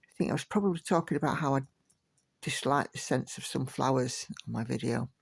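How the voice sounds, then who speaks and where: A woman chatting slowly and gently from home while she stitches, like a vlogger talking along with her work. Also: extremely low pitch, creaky, breathy edge, dry recording. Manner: slow, gentle, relaxed chatter. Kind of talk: casual chat while stitching.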